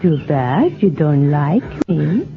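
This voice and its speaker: A woman's voice: deep voice, big pitch swings, takes it slowly, exaggerated voice. An actress playing a vengeful young gypsy woman in a radio horror drama, taunting and mocking as she talks. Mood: mocking, accusing. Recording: dull lo-fi radio drama audio.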